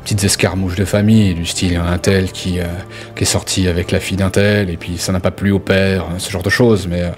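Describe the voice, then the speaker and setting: A man's voice: low-pitched, little pitch movement, a little fast, close to an everyday voice. A man acts out a portly innkeeper in his fifties for a tabletop game. He is eager to please and easily worried, hesitating and doubling his words. Music plays underneath. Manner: deferential, hesitant, repeats himself. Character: plump balding innkeeper in his fifties, eager, obliging, anxious. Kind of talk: improvised tabletop roleplay dialogue.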